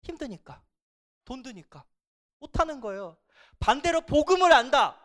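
A pastor delivers a sermon at normal speed in a high, sing-song voice, often posing rhetorical questions to the congregation. He swings between loud emphasis and hushed asides.

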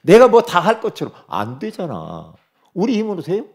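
A man preaching a sermon as pastor, swinging from loud urging to quiet asides and speaking directly to congregation members. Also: high-pitched, wildly swooping pitch, moderate pace, husky.

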